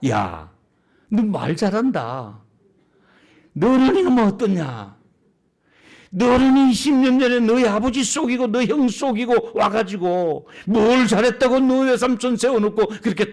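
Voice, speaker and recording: A man's voice: mid-range voice, voice pushed down. A man voicing God as a stern, fatherly figure who rebukes bluntly and admonishes plainly. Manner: blunt scolding, then gentle admonishing.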